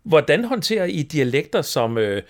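Gravelly-voiced man asking questions. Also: fairly high pitch, very animated. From Denmark. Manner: conversational, probing. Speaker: interviewer. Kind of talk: interview questions.

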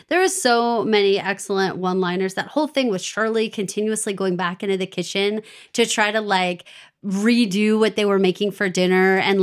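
A woman co-hosting a podcast in casual chat, animated, laughing often and quoting characters. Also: mid-range voice, smooth. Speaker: podcast co-host.

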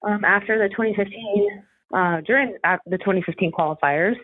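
A woman talks about soccer in a loose, rambling way, full of "you know" and restarts. She comes through a tinny phone line, bone dry, with no room sound. Her pitch sits in an average range. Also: fairly quick, no echo. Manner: rambling, many fillers and restarts. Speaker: soccer coach and Spanish-language commentator. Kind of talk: casual podcast interview.

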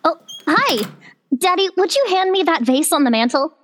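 A woman as high-pitched teenage sitcom daughter. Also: lively intonation, normal speed, fairly bright tone. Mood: breezy. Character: sweet, firm teenage daughter in radio comedy. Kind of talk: old-time radio sitcom acting.

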